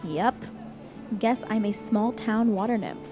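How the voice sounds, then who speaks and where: A woman's voice: mid-range voice, slow, over music, natural voice. A woman playing a practical, matter-of-fact young water nymph in a naturalistic audio drama. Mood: wry, nostalgic.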